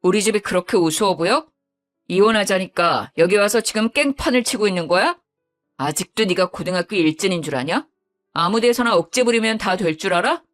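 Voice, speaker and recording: A woman's voice: medium pitch, expressive, a little fast, lightly acted. A woman voicing an angry young husband who coldly confronts his deceitful wife in an audio drama, with faint music behind. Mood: scornful. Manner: cold, cutting and contemptuous.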